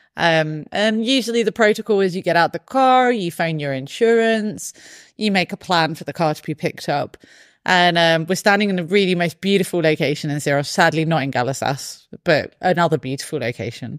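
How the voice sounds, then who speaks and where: On a very clean, dry, close recording with a silent background and no echo, a woman with a British accent talks at a fairly quick pace, her fairly low pitch carried by lively intonation. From England, London. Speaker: podcast guest. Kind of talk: casual chat.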